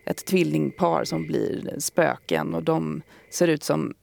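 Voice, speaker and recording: Gravelly-voiced woman, hesitant chat. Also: low-pitched, lively intonation, darkish tone, no room sound. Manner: hesitant, frequent fillers and restarts. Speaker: guest recommending a book. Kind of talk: casual radio chat.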